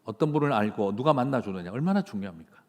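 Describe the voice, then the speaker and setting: A man's voice: on the low side, expressive, fast talker, long reverb tail. A male pastor delivering an impassioned sermon with rising emphatic phrases. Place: church sanctuary.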